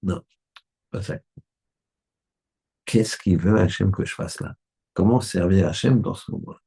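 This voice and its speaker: A man's voice: deep voice, a little slow, creaky, dark tone, slightly rough. A man, a rabbi, giving a Torah lesson in a conversational way, often checking that his listeners agree.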